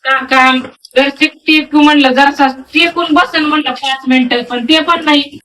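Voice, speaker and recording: A woman's voice: sits high, steady tone, normal speed, bright, forceful tone, poor audio. A young woman with a rural Marathi accent talking to herself during farm chores, grumbling and scolding the animals. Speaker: farm housewife vlogger. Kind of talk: casual monologue during chores. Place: rural farmyard outdoors with goats.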